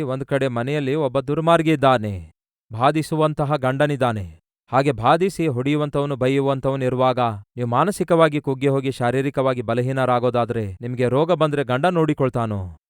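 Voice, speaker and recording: A man's voice: medium pitch, clear, resonant tone, dry recording, studio quality. A male pastor preaching earnestly, pleading with his listeners and pressing them with rhetorical questions. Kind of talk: sermon.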